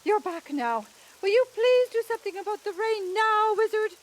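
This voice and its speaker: A woman voicing a fussy, excitable storybook monarch in a puppet show, bossy and full of exclamations. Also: extremely high pitch, normal speed. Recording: puppet show with music behind.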